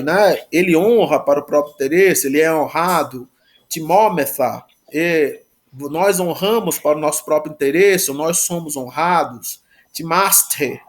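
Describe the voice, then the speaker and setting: A man teaching a Greek grammar lesson, talking haltingly with many restarts and a constant "né?" after each phrase. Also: fairly high pitch. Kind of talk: live online grammar lesson.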